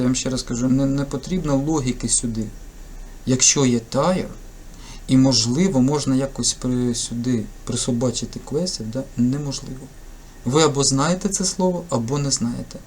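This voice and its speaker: A male English tutor, a native Ukrainian speaker, talks through test items in a lively, joking way. His voice sits in a middle pitch. A faint hiss runs under the desk-mic recording. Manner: lively, chatty, jokey teacher's explaining. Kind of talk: casual screen-recorded lesson commentary.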